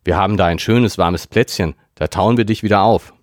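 A man's voice: deep voice, fairly quick, no room sound, studio quality, natural voice. A man reading aloud voices a smug, menacing older teenage boy with an oily, taunting manner.

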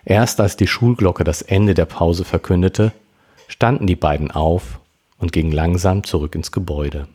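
A man's voice: low-pitched, moderate pace. A man reading a story aloud and voicing all the characters himself. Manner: expressive, acts out all characters. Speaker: audiobook reader.

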